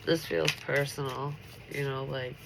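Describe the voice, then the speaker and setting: A congested woman talks through a late-night tarot reading in a chatty, upbeat way, her voice sitting in a gravelly fry. Steady noise hums under the recording, and cards shuffle now and then. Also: very deep voice, measured pace. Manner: chatty and upbeat, full of filler words. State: stuffy, congested nose. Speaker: tarot reader.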